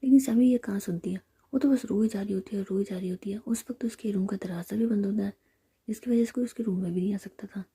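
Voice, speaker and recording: A woman telling a story in whispered role-play, narrating softly and unhurriedly. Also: mid-range voice, fast, husky.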